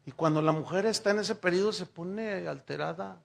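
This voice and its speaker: A middle-aged man, preaching a sermon and telling lively stories while speaking directly to the congregation. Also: high voice, normal speed, gravelly. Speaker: pastor.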